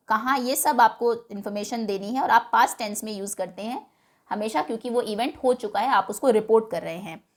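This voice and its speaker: A woman teacher who reads English lines slowly, explains them in Hindi and repeats words to drill pronunciation. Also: medium pitch. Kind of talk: bilingual lesson explaining a textbook.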